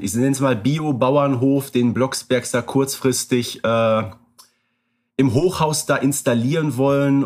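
A man co-hosting a podcast, chatting casually, relaxed and thinking aloud with frequent filler sounds. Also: medium pitch. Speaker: podcast co-host.

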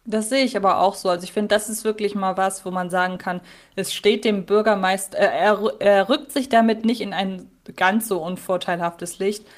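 A woman's voice: medium pitch, steady tone, moderate pace. A woman co-hosting a podcast, giving earnest opinions and thinking aloud in casual talk. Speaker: podcast co-host. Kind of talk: casual episode discussion.

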